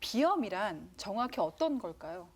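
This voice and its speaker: A woman's voice: medium pitch, sing-song, moderate pace, slightly rough. A woman announcer hosting a broadcast health talk show, polished and attentive, with frequent brief acknowledgments. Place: TV studio.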